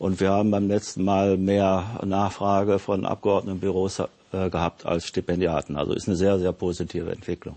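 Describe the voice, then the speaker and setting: Moderately paced, a man's very deep, low voice holds a monotone, flat intonation and very even loudness. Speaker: member of parliament. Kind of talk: panel discussion.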